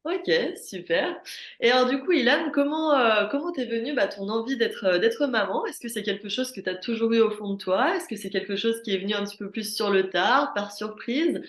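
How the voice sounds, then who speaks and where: A woman's voice: a little high, moderate pace, echoey room. A woman hosting a podcast interview, asking questions and encouraging her guest with short affirmations. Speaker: podcast host. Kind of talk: conversational interview.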